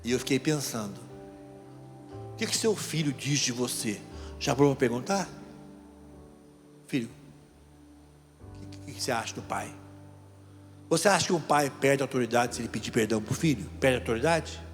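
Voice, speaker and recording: A man's voice: medium pitch, animated, a little fast, long pauses. A middle-aged man with a Brazilian Portuguese accent, a deacon giving a sermon in a conversational storytelling way that speaks straight to the listeners. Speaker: deacon preacher. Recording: reverberant hall with faint music.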